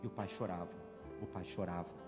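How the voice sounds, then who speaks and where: A man, a priest giving a sermon, telling a story dramatically, swinging between loud preaching and hushed narration. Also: low-pitched, steady tone, fairly quick, long reverb tail, over loud music. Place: church.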